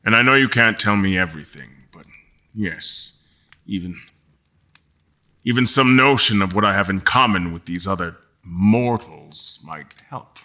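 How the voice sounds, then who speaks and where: An actor playing a frustrated, wry mortal guest in an audio drama, choosing words in a deliberate, formal, dry manner. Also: male voice, fairly low pitch, bright, forceful tone. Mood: careful, probing. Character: mortal male guest, frustrated, wry, carefully probing captors. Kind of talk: audio drama acting with first-person narration.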